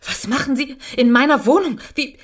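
A woman's voice: high-pitched, moderate pace. An actress playing a feisty, defiant young woman in a radio drama. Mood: alarmed. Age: young adult. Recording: clearly noisy background.

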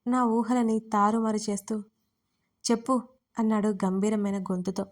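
A woman's voice: a little high, steady tone, normal speed. A woman narrating a first-person audio story in an earnest, emotional way.

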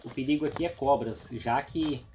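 Exploring an abandoned house with no roof and overgrown grounds, this Brazilian vlog host from Paraná chats to his viewers through a handheld camera, often ending lines with tag questions. His mid-range voice has a darkish tone and a moderate pace, and the outdoor audio is noisy.

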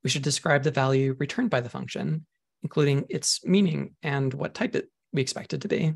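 A man presenting a programming webinar over slides, talking in a measured way with frequent ums while he is losing his voice. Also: mid-range voice, gravelly, slightly rough. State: losing his voice, clearing throat.

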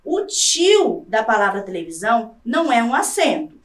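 A woman with a Brazilian Portuguese accent teaching a scripted televised lesson, drawing out example words slowly to stress syllables. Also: on the high side, big pitch swings, echoey room, recorded from a distance.

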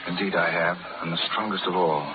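An actor playing a bold, sardonic Irish rebel doctor in 1930s radio drama style. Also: male voice, deep voice, level tone, fairly quick, close to an everyday voice. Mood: brooding, guarded. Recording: crackly 1930s live radio, tinny, audience noise. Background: loud audience and crackle.

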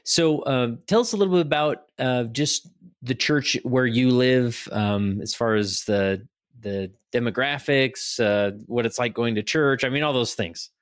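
A man's voice: mid-range voice, measured pace. Upbeat male podcast host, chatty. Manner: upbeat, chatty, frequent fillers and restarts. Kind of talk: casual interview and scripted promo read.

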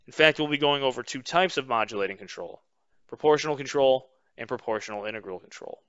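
A male instructor walks through a recorded webinar lecture, explaining each slide at a measured pace and pausing often on "um." His mid-range voice is bright and smooth. The audio is dry and close with no room sound and a slightly muffled band.

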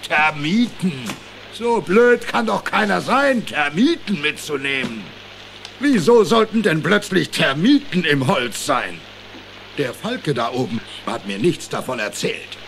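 A scornful animal ringleader in a children's audio drama. He is raised in pitch, gravelly and sharp, swinging through his bossy lines with bluster. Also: expressive, a little slow, a little hiss or hum, exaggerated voice. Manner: scoffing, bossy.

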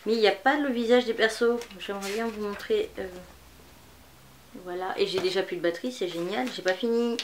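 A woman's voice: mid-range voice, a little fast, slight background noise. A woman presenting manga in a casual unboxing vlog, chatty and rambling, with many fillers. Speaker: manga YouTuber.

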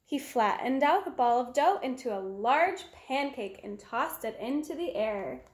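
Female, 20s, children's storyteller. High pitch, slow and expressive delivery, recorded in a roomy home space. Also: a little hiss or hum. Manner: simple, expressive, addressing young children. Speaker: read-aloud storyteller. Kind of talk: children's picture book read-aloud. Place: small room at home, indoors.

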